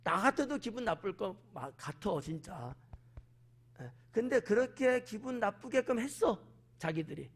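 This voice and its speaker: Male pastor, high-pitched voice, expository evening sermon, acts out voices, questions the congregation. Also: a little slow, slightly rough. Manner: animated, acts out quoted voices, talks directly to the congregation. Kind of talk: evening service sermon, expository Bible teaching.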